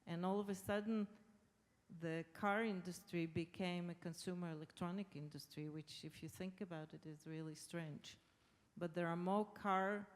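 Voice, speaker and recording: A middle-aged woman from Israel, a native Hebrew speaker with an Israeli accent, explaining her points as a panelist. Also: fairly low pitch. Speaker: panelist, government official. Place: large conference hall. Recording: long hall reverb.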